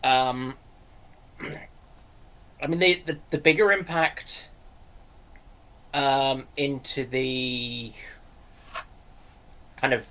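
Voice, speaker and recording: Bright-voiced man, measured and hesitant. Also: medium pitch, fairly even intonation, rough recording. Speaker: panelist on a history show. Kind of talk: unscripted history discussion.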